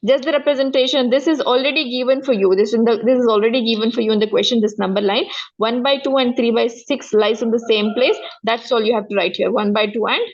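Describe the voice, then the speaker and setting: A high-pitched woman with a South Asian accent gives a maths lesson through slightly dull, lo-fi audio. She explains step by step, repeats key points and keeps adding short check-in questions. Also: steady tone, quick pace. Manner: repetitive, frequent check-in questions. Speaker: maths teacher.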